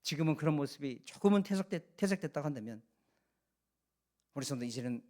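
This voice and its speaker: Male pastor with a high voice, emphatic sermon delivery, rhetorical questions to the congregation. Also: lively intonation, quick pace, a little mellow. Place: church sanctuary.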